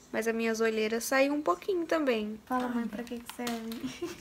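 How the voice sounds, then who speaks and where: A woman's high-pitched voice moves at a moderate pace. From Brazil. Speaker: vlogger. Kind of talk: casual vlog chat. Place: home room. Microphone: phone near.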